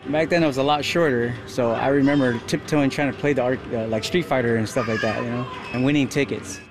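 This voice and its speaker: A man's voice: mid-range voice, steady tone, brisk. A man in his forties raised in California, talking casually to a reporter in a plain, laid-back way. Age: 40s. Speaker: interviewee. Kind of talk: casual interview talk.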